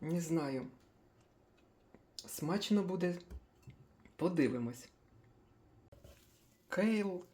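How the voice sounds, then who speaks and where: An older woman chatting casually as she makes a breakfast smoothie in her kitchen, thinking aloud with small laughs. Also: deep voice, warm tone. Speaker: cooking vlogger.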